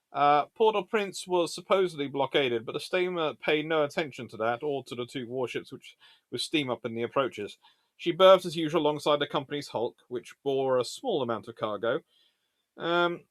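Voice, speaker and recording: A man's voice: medium pitch, no echo. A man hosting a naval history show, reading aloud from books and chatting informally as he reviews them and answers questions.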